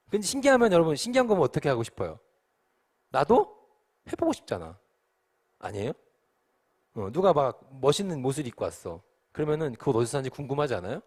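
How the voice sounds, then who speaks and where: Animated man preaching a lively sermon. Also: on the high side. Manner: animated, acts out the disciples' panic in quick asides. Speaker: pastor.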